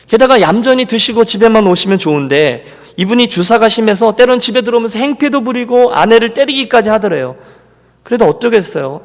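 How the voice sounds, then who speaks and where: A male pastor giving a Sunday sermon, telling a story and voicing the people in it. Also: high-pitched. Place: church sanctuary. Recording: long reverb of a church hall.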